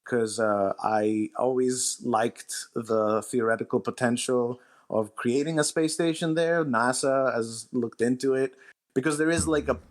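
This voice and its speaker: A man with a medium-pitched voice talks as the guest writer in an interview. His delivery is informal and conversational, like explaining his own work in a chat.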